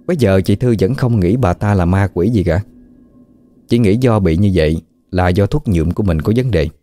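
A man with a Southern Vietnamese accent narrating a ghost story in a measured way. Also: sits low, dark tone. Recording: dry close mic with faint music.

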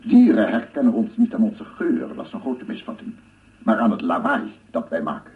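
An actor playing a paranoid, embittered amateur sound researcher in a theatrical radio drama monologue, muttering and proclaiming. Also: male voice, lowish voice, sing-song, normal speed, husky, exaggerated voice. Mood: fanatical proclaiming. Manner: theatrical, muttering to himself, repeating words, swelling into proclamations. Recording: muffled narrow-band old radio recording, noisy.

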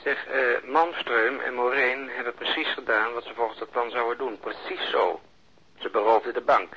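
An actor playing an excitable, blunt and nosy police colleague in a Dutch radio drama, teasing and insistent. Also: male voice, medium pitch, normal speed, husky, natural voice. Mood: excited, scolding. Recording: muffled archived radio drama recording.

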